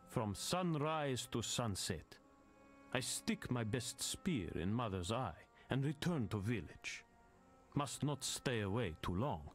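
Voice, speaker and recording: An actor voicing a proud tribal hunter and storyteller for a video game, speaking in short, simple, broken English sentences. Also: male voice, mid-range voice. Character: boastful tribal spear hunter and storyteller man. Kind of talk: video game character dialogue.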